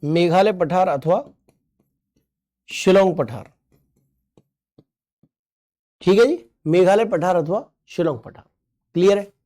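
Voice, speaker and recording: A man leads an online exam-prep lesson in a high but mellow voice. He jokes along with students' comments, then drills terms by repeating them and asking quick questions. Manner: playful, joking with students' comments. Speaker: teacher.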